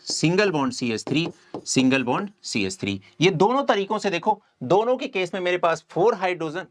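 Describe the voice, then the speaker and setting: A man's voice: on the high side, slight background noise. A man giving a step-by-step chemistry lecture and often checking that his students follow. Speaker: chemistry teacher. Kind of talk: whiteboard lecture.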